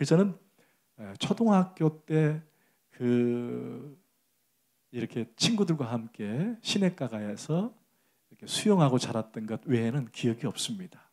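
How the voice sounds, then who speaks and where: Speaking very slowly with long, frequent pauses, a man with a fairly high pitch swings very widely in pitch and shows big changes in loudness. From Korea, born in Jeolla province, raised in Busan. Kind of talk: calm, conversational.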